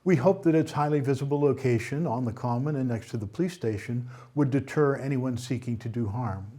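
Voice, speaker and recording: A man's voice: mid-range voice, a little fast, dark tone. A man anchoring a weekly local news roundup, reading items evenly and adding small off-script remarks. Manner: reads evenly with small ad-libs.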